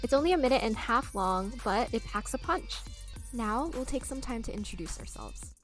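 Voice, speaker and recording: A young woman from the United States, a podcast co-host telling a folk ghost story in a relaxed, chatty way. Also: fairly high pitch, normal speed, soft background music. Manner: relaxed, chatty with light laughs. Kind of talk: casual storytelling.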